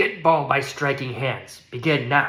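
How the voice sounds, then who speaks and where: Using a raspy put-on character voice, a man talks fairly slowly at a fairly high pitch with fairly even intonation, and an echo is audible. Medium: read story. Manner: clipped, ungrammatical commands.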